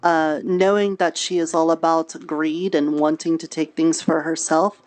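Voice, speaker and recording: A woman's voice: sits low, steady tone, a little slow, darkish tone. A woman playing a friendly, chatty tailor in an improvised fantasy roleplay, talking casually with playful, cutesy word choices. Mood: earnest, explaining.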